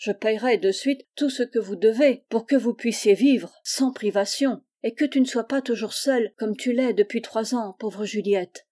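A woman's voice: mid-range voice, moderate pace, darkish tone, natural voice. A woman voicing a hot-tempered but tender-hearted orphan boy in a storybook reading, earnest and emotional.

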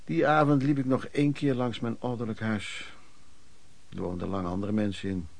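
A man's voice: on the low side, fairly even intonation, normal speed, gravelly. An actor playing a man who narrates his hard, hopeful youth as a street trader, in colloquial first-person radio play style. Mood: plain reminiscing. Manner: colloquial, storytelling, clipped phrases.

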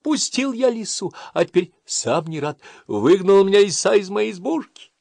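A man's voice: lively intonation, normal speed, gravelly, darkish tone, no room sound, clean studio sound, full character voice. A man doing a weeping little hare. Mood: tearful. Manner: high wailing plaintive voice. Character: crying little male hare, timid.

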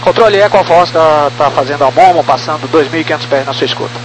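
A man's voice: on the high side, fast. A man speaking as a pilot in clipped, procedural radio calls like police radio traffic, with terse readbacks. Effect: two-way radio transmission. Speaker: airline pilot. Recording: noisy radio with hum.

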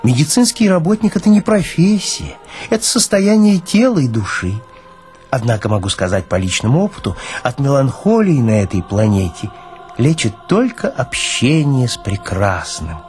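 Man acting a soft-spoken, kindly morgue director. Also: medium pitch, big pitch swings, moderate pace, soft background music, natural voice. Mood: soothing. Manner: hushed, sympathetic, courteous.

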